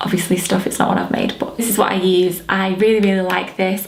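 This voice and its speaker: A woman speaks in a Northern English accent at a medium pitch. Noticeable background noise can be heard. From North West England. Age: 20s. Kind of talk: casual talk to camera.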